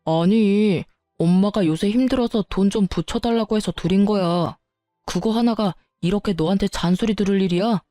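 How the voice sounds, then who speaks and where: A woman's voice: mid-range voice, moderate pace, warm tone, no room sound, clean studio sound, faint music behind, natural voice. A woman voicing a defensive, argumentative husband in a story reading. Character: defensive young husband, evasive.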